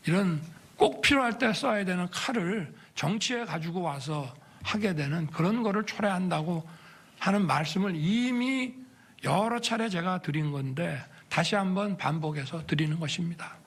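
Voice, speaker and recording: A man making formal public remarks in a measured, deliberate way. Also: sits high, animated, a bit bright, slightly rough.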